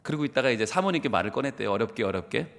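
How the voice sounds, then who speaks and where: A man's voice: mid-range voice, rapid-fire, gravelly. A man with a Busan Gyeongsang accent preaching a sermon as pastor of a church, telling a story and acting out its people. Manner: animated storytelling, acts out the people in his story. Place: church sanctuary. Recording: long church hall reverb.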